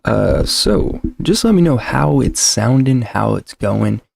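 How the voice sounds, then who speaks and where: A man in his thirties hosts a casual home livestream, talking into a desk mic in a rambling, self-deprecating way with plenty of fillers. His voice is heavily gravelly, full of fry, and the sound is dry and close, with middling pitch. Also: sing-song, takes it slowly, a little mellow, no echo. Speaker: livestream host. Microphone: desk mic with shock mount.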